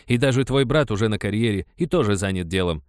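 A man's voice: on the low side, expressive, quick pace, no room sound, clean studio sound, pitched above the performer's own voice, close to an everyday voice. A man voicing an angry, grumbling middle-aged tribal mother who scolds her son sharply. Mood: irritated.

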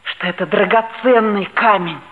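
A woman's voice: mid-range voice, moderate pace, slight background noise, lightly acted. A woman playing a sullen, dismissive schoolboy in a 1960s radio play. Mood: scornful. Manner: curt, dismissive replies. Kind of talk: 1960s radio drama acting. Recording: dull old radio recording.

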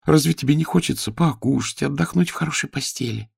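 An eager young girl disguised as a page boy, as a man voices her. She pleads and rushes her words in a high, raised voice, far above the reader's own. The recording is dry and close. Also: vocal fry, a little mellow, slightly rough, no room sound, exaggerated voice. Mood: eager pleading.

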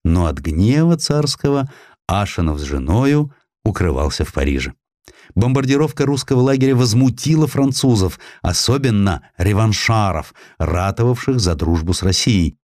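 A male audiobook narrator with a fairly deep voice tells historical prose. His delivery is expressive and highly varied in melody, shaped like dramatic storytelling. The sound is dry, with almost no room around it. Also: moderate pace, dry recording.

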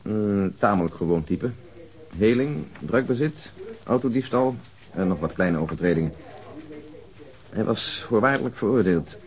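An actor playing a methodical, unruffled police detective in a radio drama, dry and precise. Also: male voice, lowish voice, darkish tone. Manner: matter-of-fact, precise.

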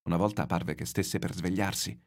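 A man reading a novel aloud in measured, expressive literary narration. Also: low voice.

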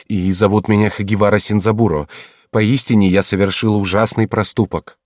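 Man doing young ronin begging, raised voice but still lowish, dry. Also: fairly even intonation, normal speed, a little mellow, no echo, close to an everyday voice. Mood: contrite. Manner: earnest, pleading. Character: young masterless samurai, contrite and anxious.

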